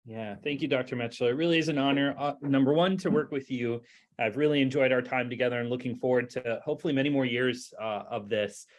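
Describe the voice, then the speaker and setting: A man invited to give a lecture chats casually with his host before starting. He sounds friendly and agreeable, and stumbles over a word now and then. His voice sits at a middle pitch. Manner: friendly, quick to agree, some stammering. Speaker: guest lecturer, neurosurgeon. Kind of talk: casual chat before a talk.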